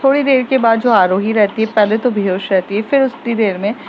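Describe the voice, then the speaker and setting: A woman's voice: fairly high pitch, fairly quick, dull audio, a little hiss or hum. A woman retelling a romance story in a casual, chatty way, with many fillers and restarts. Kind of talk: casual spoken storytelling podcast.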